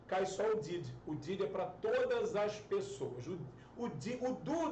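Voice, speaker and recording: A man who teaches English, giving an online grammar lesson and explaining with everyday analogies and repeated example sentences. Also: high voice. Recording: roomy echo, distant mic, faint hiss.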